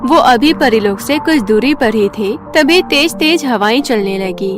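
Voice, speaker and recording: A woman's voice: a little high, expressive, a little slow, over music. A woman storyteller narrating a scripted children's fairy tale.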